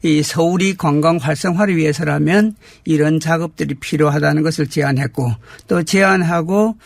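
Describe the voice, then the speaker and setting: A man with a fairly high voice full of creak, recorded dry and close. He gives formal, measured explanations as an interview guest. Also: dry recording. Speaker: interview guest, community representative.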